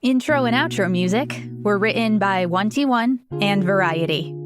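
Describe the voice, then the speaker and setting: Woman announcer reading scripted audiobook credits, medium pitch, guitar music playing behind her. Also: expressive, moderate pace.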